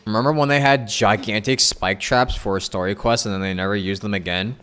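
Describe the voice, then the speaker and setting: A man's voice: on the low side, steady tone, brisk, fairly bright tone, clean tone. A man giving casual live gameplay commentary as a streamer, wry and rambling. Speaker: game streamer. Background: game music.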